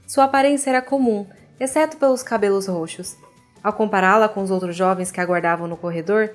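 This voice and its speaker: Speaking in a fairly high voice with a Brazilian Portuguese accent and a pulled R, a woman who writes books and hosts a writing advice series delivers an instructional video. Her tone toward the viewer is direct and informal, over faint background music. She reads excerpts from books aloud as part of the lesson.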